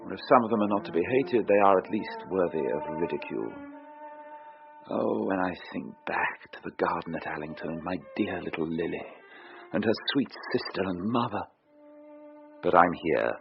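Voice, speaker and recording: A brooding gentleman, turning wry and self-reproaching in a low, steady voice. The sound is dull and muffled, like an old radio broadcast. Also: moderate pace, creaky, faint music behind. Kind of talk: radio drama acting.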